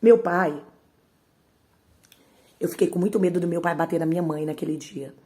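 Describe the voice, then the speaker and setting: A missionary singer, a woman with a lowish voice, shares an emotional testimony with a church congregation at a moderate pace. She shifts from quiet, trembling storytelling to loud, pleading outbursts, repeating phrases and relying on tag questions.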